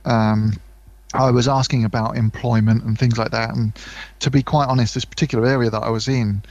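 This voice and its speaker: A man's voice: mid-range voice, steady tone, a little fast, darkish tone, dry recording, highs cut off. A British man co-hosting a podcast, chatting casually and rambling with many fillers and restarts. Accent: British English. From United Kingdom. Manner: mimics voices for anecdotes. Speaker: podcast co-host. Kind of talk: casual chat.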